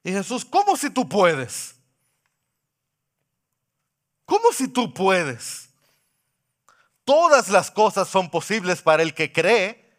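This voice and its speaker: A male pastor preaching a sermon into a microphone, impassioned, swinging from loud cries to hushed pleading. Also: sits high, sing-song, slow pace.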